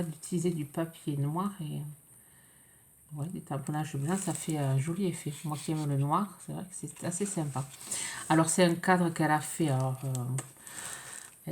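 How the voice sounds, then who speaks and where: A woman with a French accent and a notably low voice talks casually through a package she is opening, halting often with fillers. Her cold leaves her sounding congested, and a faint hiss runs behind her. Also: darkish tone. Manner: hesitant, many pauses and fillers. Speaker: scrapbooking vlogger. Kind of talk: casual unboxing chat.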